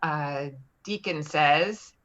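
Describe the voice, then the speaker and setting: Female narrator for a script read-through, lowish pitch, informal and slightly halting delivery. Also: fairly bright tone, dull audio. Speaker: stage directions reader.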